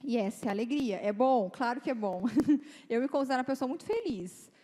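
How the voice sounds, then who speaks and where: Young female youth speaker, lively and conversational, slightly high pitch, reverberant church hall. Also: a little fast. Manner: lively, chatty, acts out dialogue in quoted voices. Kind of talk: informal talk to teenagers.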